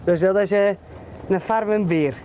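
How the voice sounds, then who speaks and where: High-voiced Flemish farmer giving a tour. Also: male voice, measured pace, crowd noise. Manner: chatty, many "hè" and "voilà" tags. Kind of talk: explaining on a guided tour. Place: farm sheds and outdoor pens.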